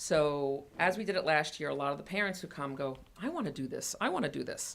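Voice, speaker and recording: The speaker talks at a fairly quick pace with a Brooklyn accent. Pitch varies in an ordinary way. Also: woman. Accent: New York (Brooklyn). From New York City, Queens. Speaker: swim program coordinator and CPR instructor. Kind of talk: public meeting presentation. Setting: village board meeting room. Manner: hesitant, many fillers.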